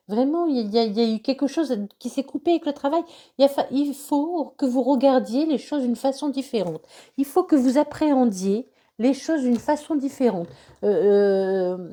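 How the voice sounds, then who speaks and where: A woman gives a tarot reading while she has a cold. Her voice sits fairly high but sounds mellow and dark in tone. She hesitates often, fills pauses with "euh" and repeats her phrases. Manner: hesitant, many fillers and repetitions. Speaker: tarot reader.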